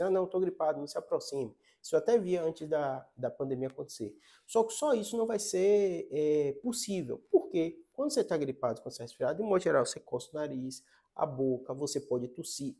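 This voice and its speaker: A man's voice: fairly high pitch, warm tone. A man with a Brazilian Portuguese accent, a neurosurgeon giving health advice in a casual talk to camera, conversational and repeating his points with frequent tag questions.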